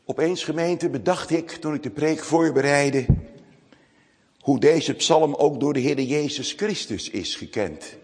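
A man preaching a sermon to his congregation, slow and solemn, with dramatic pauses. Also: on the high side, darkish tone. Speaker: pastor. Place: church. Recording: long reverb of a church hall.

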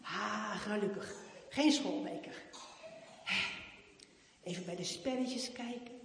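A woman reading a children's Christmas story aloud in an expressive, animated manner. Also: medium pitch, slow pace, slight background noise. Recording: echoey hall.

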